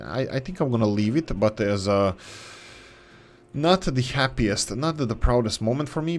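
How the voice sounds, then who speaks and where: A man hosting a gaming video, talking casually and thinking aloud as he builds, with rambling asides and corrections. English is not his first language. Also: on the low side. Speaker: gaming channel host. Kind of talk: casual let's-play commentary.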